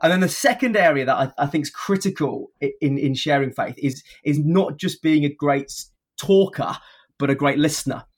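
A man's somewhat breathy, fairly high voice in an English accent, at a moderate pace with ordinary pitch variation. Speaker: author and mission leader. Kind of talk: interview. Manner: animated.

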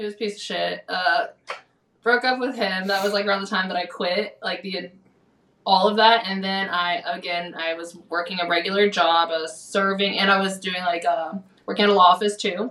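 Here is a woman with a plain, everyday voice and a medium pitch. Her pace is fairly quick and her intonation fairly even. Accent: General American. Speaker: adult entertainer. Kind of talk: casual interview chat.

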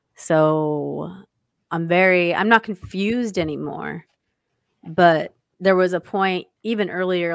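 Speaking at a fairly slow pace, a woman with a fairly low pitch and ordinary pitch variation has an unremarkable speaking voice, recorded very cleanly against a silent background with a dry, close sound and no echo. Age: 30s. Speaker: podcast host. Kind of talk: casual interview.

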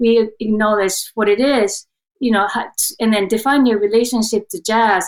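With a Japanese accent, a woman speaks at a moderate pace in a fairly high pitch, keeping her intonation fairly even. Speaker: jazz venue artistic director. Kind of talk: interview.

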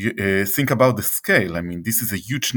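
A man with an Israeli accent speaks at a fairly quick pace. The recording is very clean, with a silent background. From Jerusalem, Israel. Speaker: ambassador. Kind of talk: interview.

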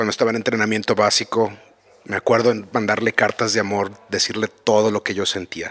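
With a fairly low pitch and monotone, flat intonation, a man speaks at a fairly quick pace in a dry, close sound with no echo. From Los Angeles area, US (born in Guadalajara). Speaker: US army veteran. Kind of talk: live storytelling. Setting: stage with audience.

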